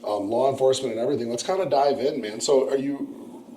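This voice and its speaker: A man's voice: medium pitch, fast talker, mellow, echoey room, slight background noise. A man hosting a podcast, chatting with a guest in a laid-back, enthusiastic way. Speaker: podcast host. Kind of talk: casual interview chat.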